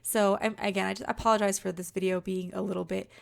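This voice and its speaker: A young woman talks in a relaxed, rambling way, full of "like" and "um." Her voice sounds rough from being sick and has a heavy gravelly fry. Her pitch sits in a middle range. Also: fast talker. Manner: chatty, rambling, many fillers. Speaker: card-making vlogger. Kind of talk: casual crafting voice-over.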